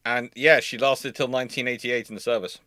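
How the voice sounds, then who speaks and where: A man's voice: medium pitch, fairly even intonation, fairly quick, sharp tone, dry recording, studio quality. A man in casual expert discussion on a livestream, making his points assertively and emphatically. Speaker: panelist on a naval history stream.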